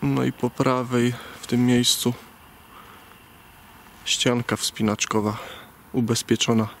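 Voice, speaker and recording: A man in his forties hiking through the woods and talking into a camera on a stick, in an unhurried, plain way. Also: mid-range voice, flat delivery, a little hiss or hum. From Poland. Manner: unhurried, plain, talks while walking. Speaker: hiking vlogger. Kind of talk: casual spoken walk-through narration. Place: leafless forest outdoors. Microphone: action camera on a selfie stick.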